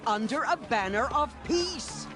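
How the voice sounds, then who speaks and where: A woman's voice: high voice, expressive, a little slow, over music. A woman playing a commanding tribal elder in a video game, declaiming ceremonially to an assembly. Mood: proclaiming.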